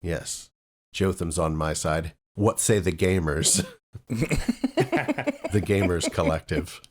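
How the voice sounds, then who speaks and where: A man's voice: low-pitched, steady tone, slow pace. A man hosting a casual podcast chat, loose and joking, with lots of fillers and restarts. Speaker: podcast host.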